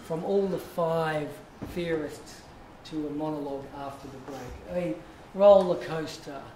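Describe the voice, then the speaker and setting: Male acting teacher, encouraging, slightly high voice, echoey room from a distance. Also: warm tone, a little hiss or hum. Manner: encouraging, coaching with drawn-out phrasing. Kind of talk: guiding a class warm-up. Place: large echoey class studio.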